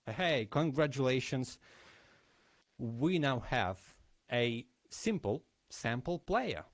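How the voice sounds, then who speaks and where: A man speaking at a conference, talking through a technical lesson. He explains live demos in a slow, unhurried way. His pitch moves around a lot as he talks. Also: sing-song. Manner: explanatory, with demo commentary.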